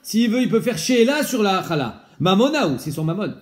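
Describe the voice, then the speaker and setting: A man teaching a casual Talmud study lesson, explaining with lively questions and mixing in Hebrew and Aramaic terms. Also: high voice, moderate pace.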